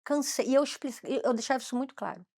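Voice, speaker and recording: Animated Brazilian woman telling stories. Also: sits high, fast talker, creaky. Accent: Brazilian Portuguese. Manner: animated, acts out dialogue with shifting voices. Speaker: former school principal. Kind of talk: lively storytelling in conversation.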